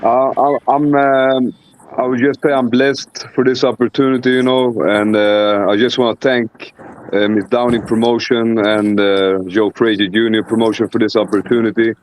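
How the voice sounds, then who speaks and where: A boxer from Sweden, a man who speaks haltingly with many fillers, thanking his team as a guest. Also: medium pitch, flat delivery. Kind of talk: guest interview.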